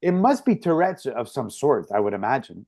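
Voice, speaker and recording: Man, casual podcast co-host, animated storyteller, swears a lot, video call mic. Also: mid-range voice, normal speed, gravelly, a crowd in the background.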